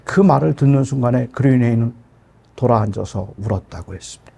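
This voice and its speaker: A man's voice: medium pitch, fairly quick, vocal fry, slightly rough. A middle-aged man, a pastor, telling a personal story in a sermon with emotional storytelling. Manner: emotional storytelling, rising to loud outbursts.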